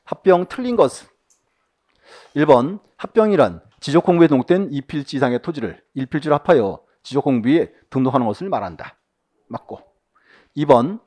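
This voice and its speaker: A man teaching an exam-prep lecture, reading questions aloud and firing quick rhetorical questions at his listeners, with soft near-whispered asides. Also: a little high.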